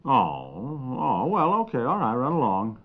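A man's voice: mid-range voice, huge pitch swings, a little slow, full character voice. A man playing an affectionate, concerned suburban father in a 1950s radio comedy, speaking in a homely, coaxing, conversational way. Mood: fond, coaxing. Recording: dull 1950s radio recording.

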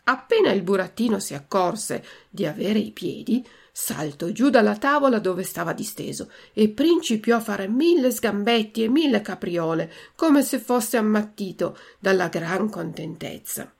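A woman teacher reading a story aloud and then going through vocabulary words slowly and carefully. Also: medium pitch, animated, gravelly. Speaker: language teacher.

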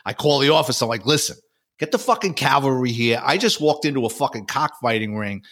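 A man, a former police detective, telling war stories in a casual, profane, animated way. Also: medium pitch, brisk. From New York. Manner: profane, animated, acts out quotes. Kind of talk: casual storytelling.

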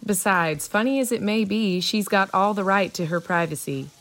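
An actress playing an easygoing small-town mother in an audio drama, folksy, teasing and gently scolding. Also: mid-range voice, normal speed, close to an everyday voice. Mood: matter-of-fact, chiding. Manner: folksy, teasing, matter-of-fact.

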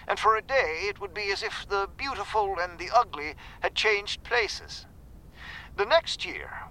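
Male narrator for an audio drama, solemn and deliberate, high bright voice. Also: low-quality recording. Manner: solemn storytelling, slow deliberate phrasing. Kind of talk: scripted narration of a folk tale.

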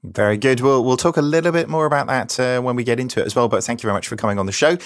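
A man's voice: mid-range voice, very fast, no echo, studio quality. A man with an East Anglian English accent, presenting as an informal, chatty podcast host and introducing guests. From England.

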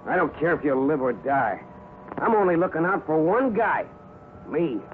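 An actor playing a mean, greedy moneylender who snarls contemptuous threats at a debtor, in 1950s radio drama style. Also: male voice, a little high, sing-song, normal speed. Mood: snarling. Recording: narrow, hissy 1950s radio broadcast.

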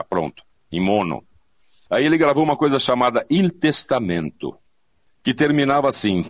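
Recounting anecdotes in a relaxed way, an older Brazilian man from São Paulo joins a remote online interview as a guest with a background in advertising audio and voice work. His voice sits on the low side with no echo, and he animatedly acts out quoted speech and repeats phrases for emphasis.

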